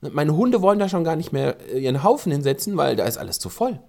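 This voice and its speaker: A man hosting a podcast, giving casual advice to dog owners and working as a dog trainer, talking in an animated way with frequent ums and restarts. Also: fairly high pitch, fast, vocal fry. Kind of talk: casual spoken advice talk.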